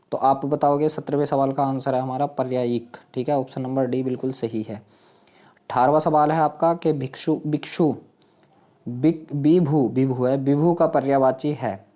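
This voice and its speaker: A man's voice: medium pitch, fairly even intonation, normal speed, mellow. A man giving an exam-prep grammar lesson as a teacher, posing questions to listeners and repeating points as he explains. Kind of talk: Hindi grammar quiz lesson, question and answer.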